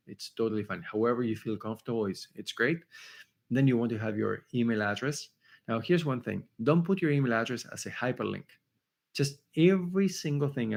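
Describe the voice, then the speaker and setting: Man, Argentine Spanish accent, career coach, online workshop, emphatic, repeats points, checks in with listeners, mid pitch. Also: gravelly.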